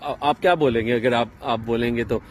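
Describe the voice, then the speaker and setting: Talking to camera in a town, this Pakistani travel vlogger has a medium-pitched voice with fairly even intonation. He explains things casually and chattily, using lots of fillers and restarts, and a little hiss or hum runs under the recording.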